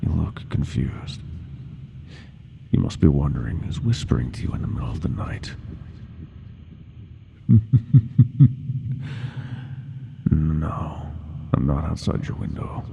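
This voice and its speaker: A man voicing an ancient, sadistic monster under the bed in a horror ASMR roleplay, gravelly and often whispering, with a slow, taunting, teasing manner. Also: very deep voice, big pitch swings, warm tone, slight background noise, full character voice. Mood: sly, taunting. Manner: slow, taunting, teasing, savoring each word. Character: centuries-old monster under the bed, sadistic, playful, menacing.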